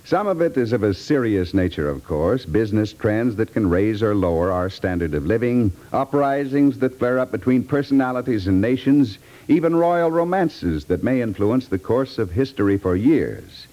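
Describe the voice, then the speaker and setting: A man reading a scripted promotional announcement as a 1950s network radio announcer, polished and measured. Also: lowish voice, sing-song, warm tone, low-quality recording.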